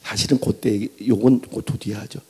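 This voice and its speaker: A middle-aged male pastor preaching a revival sermon with animated storytelling, swinging from loud outbursts to near-whispers. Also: lowish voice, moderate pace, a little hiss or hum. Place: church sanctuary. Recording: long reverb in a large church hall.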